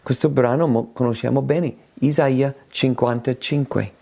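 A man preaches a sermon, reading scripture aloud and explaining it slowly and deliberately. His voice is warm, creaky and steady in tone, with the pitch climbing on emphatic phrases.

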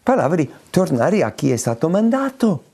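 A man's voice: a little high, sing-song, moderate pace, mellow. A man preaching a sermon in an emphatic way, repeating words for stress.

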